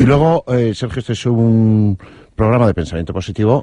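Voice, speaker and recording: A man with a dark, mellow tone speaks at a fairly quick pace, the sound dry and close with no echo. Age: 50s. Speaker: psychologist. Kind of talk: interview. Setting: studio with live audience.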